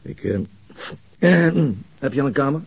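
An actor playing a meek, hesitant middle-aged father with a husky voice and a Netherlands Dutch accent in a radio drama, speaking haltingly and evasively. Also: medium pitch, animated, rough recording. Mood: awkward, hesitant.

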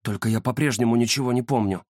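A man voicing a quiet, puzzled black male cat who speaks softly and thoughtfully in an audiobook. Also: medium pitch, quick pace, dry recording, clean studio sound, close to an everyday voice. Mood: pensive. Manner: soft, thoughtful, hesitant. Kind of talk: audiobook character voice.

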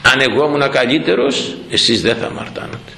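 A man preaching a sermon, animated, slowing down to quote old scripture. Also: medium pitch, vocal fry, roomy sound, a little hiss or hum, rough recording.

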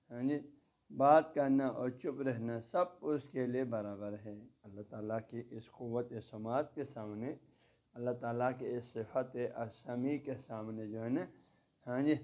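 A man giving a religious lecture who explains word meanings step by step, repeats each gloss and often adds a short "haan ji". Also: mid-range voice. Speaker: religious teacher. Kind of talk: lecture explaining a devotional text.

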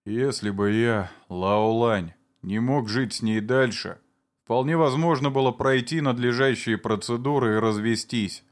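A man voicing a middle-aged man who calmly, then tearfully, defends himself before his neighbours. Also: mid-range voice, a little slow, natural voice. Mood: pleading. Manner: calm, then pleading and tearful.

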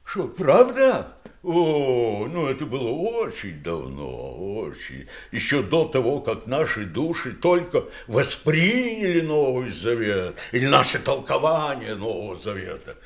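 An actor playing a garrulous, wistful doctor of eighty-six in an audio drama, rambling and halting, breaking into exclamations. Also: male voice, medium pitch, very animated. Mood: bitter, reflective. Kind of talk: theatrical audio drama monologue.

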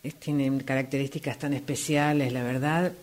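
A woman's voice: rumbling low, steady tone, normal speed, a little mellow. A woman in an amateur radio play acting a hesitant, wary female house buyer who questions everything. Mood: skeptical. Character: hesitant, skeptical female house buyer, an artist, easily amazed.

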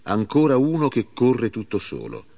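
A man voicing a watchful male sentinel in a plain, measured reading. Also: mid-range voice, huge pitch swings, vocal fry, mellow, husky, pitched above the performer's own voice, exaggerated voice.

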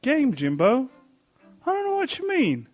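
A man voicing a gentle, earnest man who insists his pet gargoyle is real, in a slow, high, wide-eyed way. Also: wildly swooping pitch, faint music behind, heavily acted. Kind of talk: audiobook character voice.

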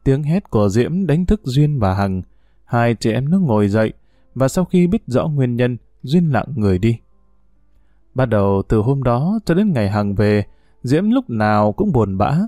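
Male storyteller, steady measured narration, dark tone, dry recording. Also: medium pitch, no echo.

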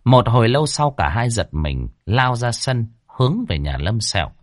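A man narrating a ghost story in an expressive storytelling manner. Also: medium pitch, moderate pace, no room sound, clean studio sound.

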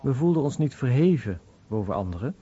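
A man's voice: mid-range voice, sing-song, a little fast, dark tone, lo-fi sound. A man reading a scripted voice-over translation of someone's recollections for radio.

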